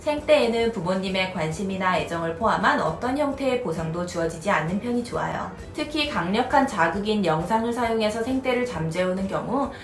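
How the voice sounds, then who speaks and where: A woman in her thirties calmly explaining parenting advice as the host of an educational video. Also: mid-range voice, fairly quick, hardly any pauses, soft background music. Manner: calm, even, instructive. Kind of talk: scripted explanatory narration. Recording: roomy echoey recording.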